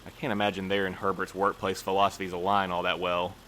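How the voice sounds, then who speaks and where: A man's voice: low-pitched, little pitch movement, quick pace, very noisy, close to an everyday voice. A man acting in an audio drama as a fussy, earnest postal supervisor who speaks in formal, precise language. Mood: fretful, muttering. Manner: formal, precise, prim wording. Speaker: voice actor in a fiction podcast.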